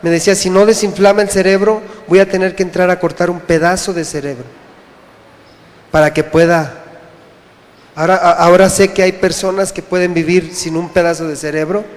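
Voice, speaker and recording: A man from Mexico gives his testimony before a congregation, earnest and halting, stumbling over and repeating his words. His voice sits high for a man. It rings out with the long echo of a church hall. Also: steady tone. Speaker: church member giving testimony. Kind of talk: personal testimony.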